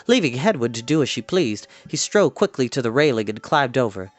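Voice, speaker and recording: A man reading a fantasy novel aloud as an expressive storyteller. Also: medium pitch, brisk, no room sound. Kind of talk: expressive audiobook-style narration. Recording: music playing behind the voice. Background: background music.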